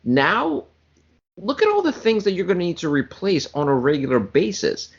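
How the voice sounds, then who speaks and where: Podcast dude ranting loosely, voice bouncing up and down, jokes on himself, muffled audio. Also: male voice, high-pitched, big pitch swings, moderate pace, breathy edge. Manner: joking, rambling, self-mocking. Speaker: podcast co-host. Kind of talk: casual banter.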